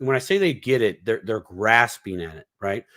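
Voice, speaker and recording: A man talks at a fairly slow pace, his pitch swinging very widely, in a dry, close sound with no echo. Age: 40s. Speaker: crypto commentator. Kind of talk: casual podcast chat. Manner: halting, many restarts.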